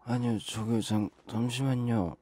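In a whispered role-play, a man acts out a late-night phone call with a stranger, his hushed, calm voice turning urgent and reassuring. He has a mid-range, husky voice and a measured pace. The recording is dry.

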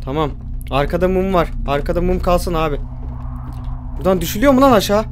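A man's voice: sits high, expressive, fast talker, a little hiss or hum. A man commentating a horror game as he plays, easily startled, talking back to the game with joking curses. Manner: jumpy, talks back to the game, jokey swearing. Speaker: gamer playing a horror game.

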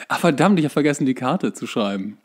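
A man's voice: mid-range voice, expressive, fast, slightly rough. A man co-hosting a podcast in casual, bantering conversation. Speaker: podcast co-host.

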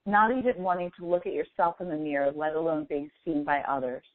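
A woman's voice: low-pitched, no echo. Phone-like recording of woman guiding meditation. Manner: slow, deliberate, instructive, with long pauses. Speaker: meditation guide, coach. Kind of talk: guided meditation and visualization. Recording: phone-like thin, band-limited audio.

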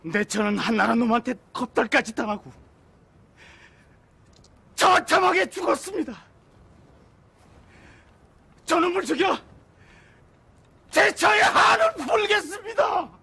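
High, raspy, vengeful male refugee. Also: expressive, fairly quick, fairly bright tone, no room sound, exaggerated voice. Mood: anguished fury. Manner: impassioned, defiant. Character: vengeful, embittered male refugee rebel in historical drama. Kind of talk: historical TV drama acting.

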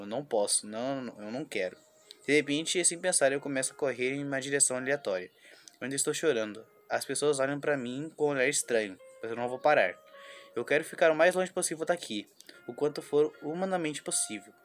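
A man reading a visual novel aloud, voicing a despairing young schoolgirl, halting and restarting words. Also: mid-range voice, lightly acted. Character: despairing young schoolgirl, anxious and self-blaming.

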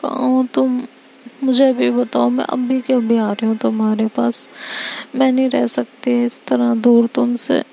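A woman's voice: on the high side, little pitch movement, a little slow, gravelly, mellow, a little hiss or hum. A woman voicing a devoted young woman who anxiously presses her girlfriend with worried questions. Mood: eager.

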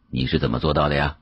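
Guy doing a shrewd older gov boss for an audiobook, super low and husky, genial but probing. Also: no echo, muffled recording, heavily acted. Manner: unhurried, probing, patronising. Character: genial, shrewd older male government director.

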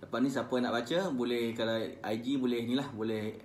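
A man with a Malaysian Malay accent teaching Quran recitation on a live stream. He chants verses slowly, then corrects pronunciation in quick, casual asides. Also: medium pitch, steady tone, darkish tone, roomy sound, slight background noise. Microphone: phone live stream.

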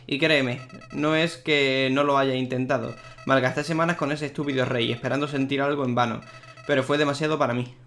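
A man's voice: medium pitch, fairly even intonation, brisk, fairly bright tone, soft background music, close to an everyday voice. A man reading a cold, soulless talking flower. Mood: somber. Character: sinister soulless talking flower, once a boy.

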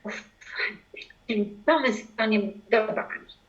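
A woman's voice: medium pitch, takes it slowly, natural voice. A woman playing a weary, languid plotter in an amateur radio play. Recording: slightly muffled home recording.

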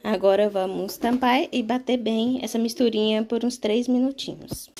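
A woman's voice: a little high, steady tone, moderate pace, dark tone, faint music behind. A woman with a Brazilian accent narrating a recipe casually and informally, often checking in with her listeners. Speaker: home cooking vlogger.

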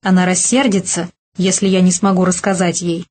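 A woman voicing a gentle new father who speaks quietly and tenderly, in an audiobook. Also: lowish voice, little pitch movement, normal speed, slightly rough. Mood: eager. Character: anxious new father, gentle young husband.

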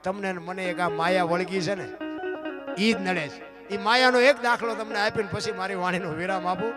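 A man's voice: high voice, steady tone, moderate pace, over music. A man telling folk wisdom to an audience, folksy and rhetorical, often calling out to his listeners. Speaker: folk storyteller. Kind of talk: folk storytelling talk to an audience.

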